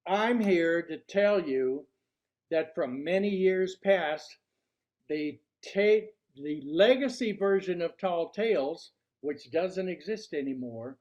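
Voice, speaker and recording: An older man speaks to a club in a notably high voice. His delivery is deliberate and theatrical, built like a prepared workshop speech. The recording sounds muffled and low in fidelity. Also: expressive, a little mellow. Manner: deliberate, showman-like delivery with rhetorical questions. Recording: dull, lo-fi sound.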